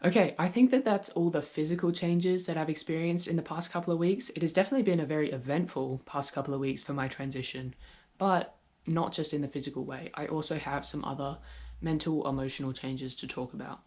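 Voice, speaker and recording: Speaking briskly, a young adult trans man records a video diary, candid and reflective with bits of gentle humor. Early in transition, his voice is beginning to drop on testosterone.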